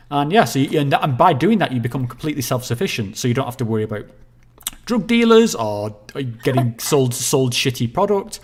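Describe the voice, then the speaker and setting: A man from northern England hosts a casual call-in stream in a mid-pitched, ordinary voice. He gives relaxed advice at an easy pace and often restarts his words along the way. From Leigh, near Wigan, England. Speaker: host of a call-in show.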